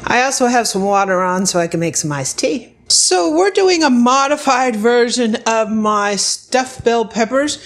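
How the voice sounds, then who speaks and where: A woman's voice: a little high, animated, measured pace, hardly any pauses. A woman casually narrating her home cooking in a chatty, unscripted way, thinking aloud as she goes. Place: home kitchen, indoors.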